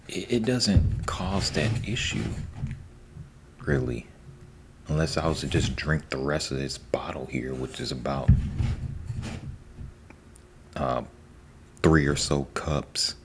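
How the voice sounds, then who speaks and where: Very deep, gravelly soft-spoken man. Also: animated. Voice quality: soft, breathy, often slipping into whisper. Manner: unhurried, repeats himself, informal. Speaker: ASMR host. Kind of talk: soft-spoken ASMR ramble. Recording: faint background noise.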